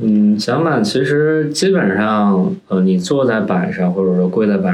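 Noticeable background noise runs under this recording. A man speaks with fairly low pitch, ordinary pitch variation and a moderate pace. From Northeast China. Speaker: company employee sharing travel tips. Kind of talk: casual chat.

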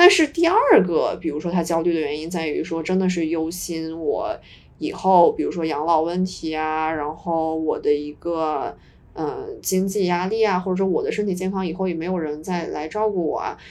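This woman has an unremarkable speaking voice, pitched fairly low. Her intonation stays fairly even at a moderate pace. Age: 20s. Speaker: podcast co-host. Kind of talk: casual chat.

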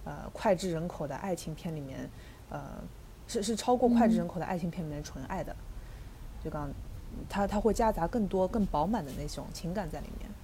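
Speaking at a fairly quick pace with long, frequent pauses, a woman has a dark, mellow tone with vocal fry, lively intonation and big swings in loudness. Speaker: podcast host. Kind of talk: casual chat.

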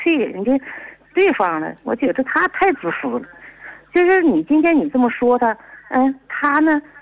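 The speech moves at a moderate speed over noticeable background noise. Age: 50s. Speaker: caller. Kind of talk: phone call-in opinion. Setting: phone call.

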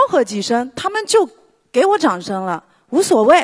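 Very wide pitch swings from a woman at a moderate speed. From China, Fujian (Fuding). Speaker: singer. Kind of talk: public speech.

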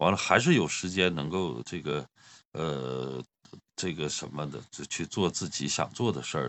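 In a Heilongjiang accent, a man with a very deep, low pitch and vocal fry speaks at a moderate pace. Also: ordinary pitch variation. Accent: Heilongjiang (northeastern Mandarin). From Heilongjiang, northeast China. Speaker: documentary director. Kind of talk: casual chat. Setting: online audio room.

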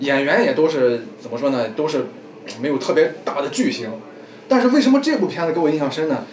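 Speaking at a fairly quick pace, a man with a fairly high voice swings very widely in pitch. Noticeable background noise runs underneath. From Jinan, Shandong, China. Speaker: podcast co-host. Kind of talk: casual chat. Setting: studio.

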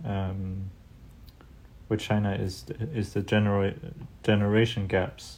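With a Swedish accent, a man speaks at a fairly low pitch and ordinary pitch variation. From Sweden. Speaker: podcast co-host, student. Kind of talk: casual chat.

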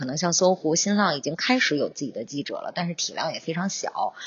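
A woman with ordinary pitch variation and a plain, everyday voice. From Beijing, China. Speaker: sports journalist. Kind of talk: podcast interview.

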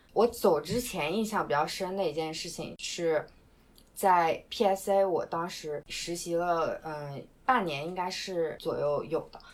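Speaking at a very slow pace, a woman uses a fairly low pitch with ordinary variation. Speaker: podcast social media manager, graduate student. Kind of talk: casual interview.

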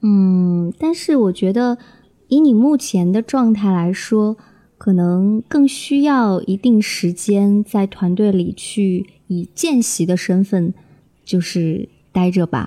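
Soft-spoken and gentle, a woman with a medium pitch and a dark, mellow tone talks at a very slow pace with lively intonation and very even loudness, in a very clean recording with a silent background and a dry, close sound with no echo. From Jiangsu, China. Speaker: Japanese-language content creator. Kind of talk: casual chat. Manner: gentle, soft-spoken.

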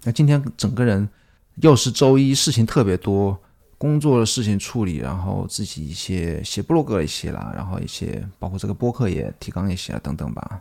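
The recording is very clean, with a silent background. A man with a fairly low voice and a dark, mellow tone talks at a moderate pace with lively intonation. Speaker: podcast host. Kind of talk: solo podcast monologue. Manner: casual, with frequent filler words.

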